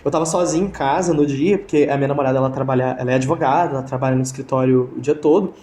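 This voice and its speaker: A man's voice: mid-range voice, steady tone, rapid-fire, dark tone, roomy sound, slight background noise. A young Brazilian man telling a story in a casual interview, hesitant, with many restarts and fillers, over a video call. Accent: Brazilian Portuguese. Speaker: interview guest.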